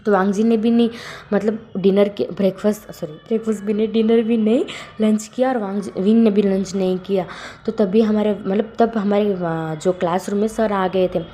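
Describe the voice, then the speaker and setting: A woman's voice: medium pitch, steady tone, normal speed, dark tone. A woman casually narrating a fan fiction story, rambling with many fillers and corrections. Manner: rambling, heavy use of fillers and self-corrections.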